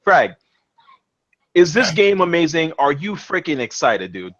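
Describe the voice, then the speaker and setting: A young man hosting a casual gaming chat, speaking a little higher than most men. He is excitable, curses freely and often restarts his words. His voice comes through a muffled, lo-fi online call. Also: measured pace. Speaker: podcast host.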